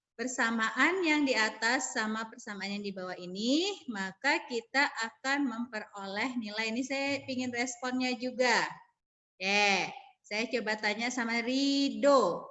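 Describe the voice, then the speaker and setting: A woman's voice: on the high side, unhurried, pushed and bright. A woman teacher, leading an online math class over a video call, calling on students by name and walking through formulas step by step.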